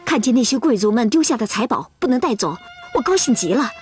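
An actress voicing a headstrong, lovesick young Russian woman in a television costume drama. She keeps pressing her demand in a high, lively voice that climbs and dips a lot, with a music score swelling behind her. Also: quick pace, lightly acted. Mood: earnest. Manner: insistent, repeats her pleas over and over. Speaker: Russian woman in love with a herder.

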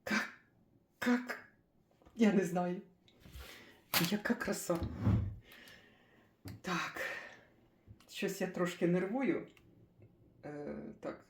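An older woman chatting casually as she makes a breakfast smoothie in her kitchen, thinking aloud with small laughs. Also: fairly low pitch, expressive, very slow, pauses often. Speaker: cooking vlogger.

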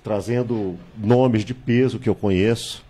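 A man, a candidate recounting his life in a studio interview, measured and reminiscing, with hesitations and tag questions, on a handheld mic. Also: fairly low pitch, steady tone, warm tone, slightly rough. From Salvador, Bahia, Brazil. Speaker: political candidate, guest. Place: small TV studio with virtual set.

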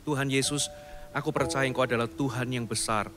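A man's voice: mid-range voice, brisk, a little hiss or hum. A male pastor giving a short devotional and then leading a fervent healing prayer with commanding declarations. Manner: calm, soft-spoken storytelling. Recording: studio voice-over with faint music behind.

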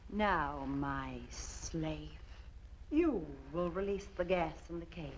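A woman's voice: sits low, takes it slowly, dull audio, a little hiss or hum. An actress playing an evil alien queen, commanding and menacing in declamatory 1950s B-movie style. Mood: cold, commanding. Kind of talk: 1950s science fiction B-movie acting. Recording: old film soundtrack with music.

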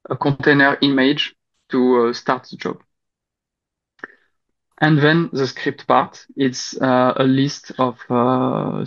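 Man explaining a pipeline demo on a call. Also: medium pitch. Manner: steady explanatory, occasional restarts. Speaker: conference speaker. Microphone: video call webcam. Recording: dull lo-fi call audio.

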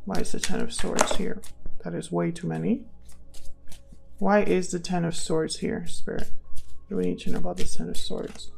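A woman giving a casual tarot reading, thinking aloud and speaking straight to the listener in a conversational way, with gravelly vocal fry. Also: on the low side, flat delivery, moderate pace, pauses often, over music. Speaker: tarot reader, channel host.

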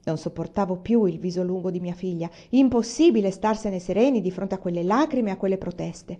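A woman narrating a historical novel in the first person, with a measured, expressive reading. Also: on the low side. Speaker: reader.

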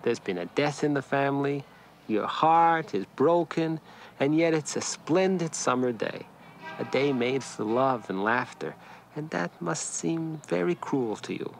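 A man's voice: medium pitch, lively intonation, measured pace, creaky, slight background noise, poor audio. A man voicing a pompous, florid, philosophizing family doctor in a cartoon. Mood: grandly sympathetic.

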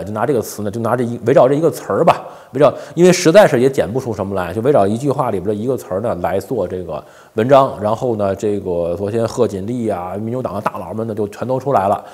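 A male commentator with a northern Chinese accent hosts a daily show of informal political commentary, talking fast with big swings in pitch. His medium-pitched voice is animated and a little mellow, full of colloquial phrasing, rhetorical questions and frequent tag questions. He records on a lapel mic in a small indoor home office.

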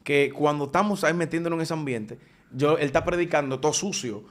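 A man tells his testimony as a preacher. His voice sits a bit high for a man. He talks in an animated, conversational way and often trips into restarts. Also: fast talker. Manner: animated storytelling with frequent restarts.

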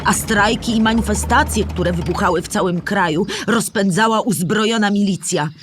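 A woman's voice: lowish voice, noisy background, close to an everyday voice. A woman playing an older storyteller who remembers the war, explaining history patiently in a scripted audio drama for children. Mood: explanatory, grave.

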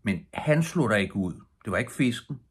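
A man's voice: medium pitch, lively intonation, slightly rough, voice pushed up. A man doing a grieving devoted fishing boy.

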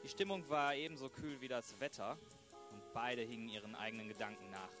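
A man's voice: medium pitch, a little fast, over music, natural voice. A man playing the solemn narrator of a crime radio play.

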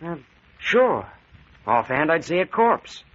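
An actor playing a guarded, prickly young college student in an old-time radio mystery. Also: male voice, fairly high pitch, big pitch swings, slow, a bit bright, heavily acted. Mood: testy. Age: young adult. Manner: challenging, skeptical, testy. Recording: muffled vintage radio recording.

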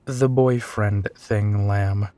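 A man as a slow-talking, tired detective. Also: on the low side, fairly even intonation, mellow, dry recording. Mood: amused teasing. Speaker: audio roleplay actor. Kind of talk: intimate detective roleplay acting.

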